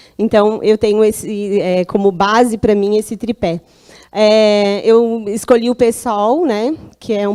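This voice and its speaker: In a very clean recording with a silent background, a woman speaks with a fairly high pitch, a dark, mellow tone and fairly even intonation. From Florianópolis area, Santa Catarina, southern Brazil. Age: 40s. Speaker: political candidate. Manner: halting with fillers.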